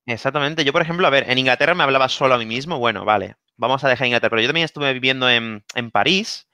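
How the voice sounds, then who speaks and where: Bright-voiced Spanish man giving tips. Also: medium pitch, rapid-fire, dry recording. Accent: Spanish from Spain. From Spain. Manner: animated, repeats phrases for emphasis, frequent "¿vale?". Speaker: guest giving language-learning tips. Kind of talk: casual online interview.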